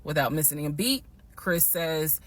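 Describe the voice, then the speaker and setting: A woman casually telling a personal story to her viewers, animated and emphatic, slowing down to stress the key points. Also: low voice, dry recording. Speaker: storytime vlogger.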